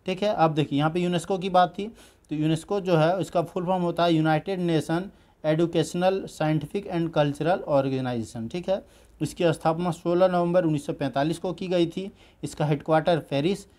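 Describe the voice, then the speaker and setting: A man's voice: a little high, a little mellow. A man teaching an exam-prep current-affairs lesson, repeating key facts and checking in with his students as he goes. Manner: repeats "thik hai" and "dekhiye" as he explains; drills facts by repeating them slowly.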